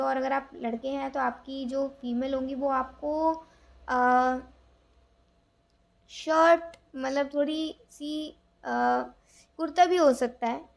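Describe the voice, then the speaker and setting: Gravelly-voiced woman giving a chatty tarot reading. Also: high-pitched. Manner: chatty, rambling, with many fillers and restarts. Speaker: tarot reader.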